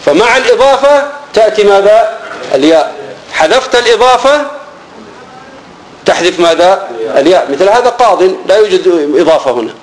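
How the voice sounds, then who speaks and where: A male teacher explaining a grammar lesson, asking questions and answering them himself, repeating key words and dropping low and soft on each answer. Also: expressive, a little fast, rough recording.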